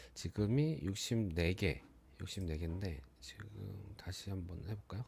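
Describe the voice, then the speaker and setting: Very slow and very deep, a man's low voice carries lively intonation and vocal fry. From South Korea, Yeongdong (Chungcheong). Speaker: YouTube channel host. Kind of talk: live stream chat, giveaway draw. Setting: live stream.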